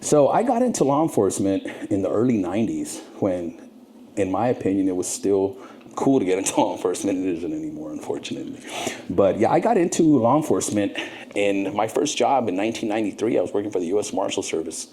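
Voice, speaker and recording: A man in his fifties from Southern California, a podcast guest telling his life story in an earnest, animated way. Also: fairly low pitch, fast talker, slight background noise. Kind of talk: casual interview storytelling.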